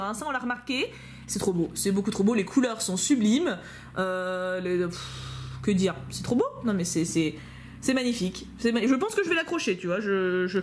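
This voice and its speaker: An excitable young woman from France chats to her viewers while opening mail, her voice sitting fairly high. She gushes, teases and trips over her own words. A faint steady hum runs underneath. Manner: gushing and excitable, stammering repeats; playful teasing asides. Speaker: YouTuber opening fan mail. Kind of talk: casual unboxing vlog, talking to viewers.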